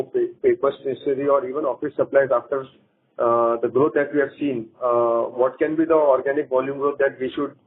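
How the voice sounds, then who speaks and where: Through a thin, radio-like phone connection comes a male analyst with an Indian accent. He puts questions on an earnings call politely, halting and rewording as he builds each one. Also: mid-range voice, husky. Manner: polite, halting, rephrasing as he asks. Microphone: phone conference call. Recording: tinny, radio-like phone line.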